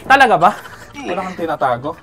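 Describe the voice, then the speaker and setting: A man's voice: sits high, very fast, crowd noise. A young man hosting a room-tour vlog, teasing and laughing as he pokes around. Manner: teasing, laughs often, excitable. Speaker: vlog host doing room tours. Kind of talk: playful casual room-tour banter.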